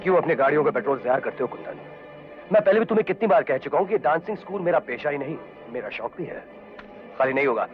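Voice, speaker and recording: A man's voice: fairly high pitch, expressive, fast, natural voice. An actor playing a brash, teasing young man who runs a dance school, mixing English into his talk. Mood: cocky. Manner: breezy, teasing, mixes English into speech. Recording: dull old film soundtrack with music.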